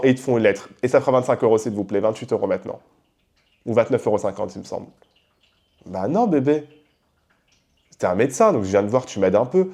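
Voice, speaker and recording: Young male host, loud casual rant, slangy, lively, mid pitch. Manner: animated and slangy, acts out quoted people; talks loudly. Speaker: podcast host. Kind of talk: casual ranting monologue.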